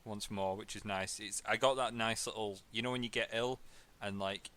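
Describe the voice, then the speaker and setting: A man's voice: lowish voice, steady tone, moderate pace, pushed and bright. A man co-hosting a gaming podcast in casual chat, with dry teasing humour. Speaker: podcast co-host.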